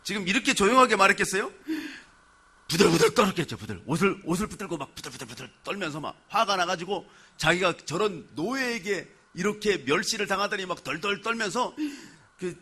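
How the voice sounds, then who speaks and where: A male pastor delivers a sermon in a lively, expressive style, acting out the story and putting questions to his listeners. His voice sits fairly high and carries a husky, slightly breathy edge. The tone is bright and forceful. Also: brisk. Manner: animated storytelling, asks the congregation questions.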